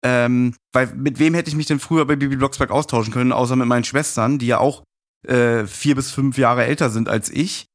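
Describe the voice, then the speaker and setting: A man's voice: mid-range voice, steady tone, a little fast. A man chatting casually as a podcast guest, reflective and nostalgic in the way he talks. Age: adult. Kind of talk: casual conversational podcast talk.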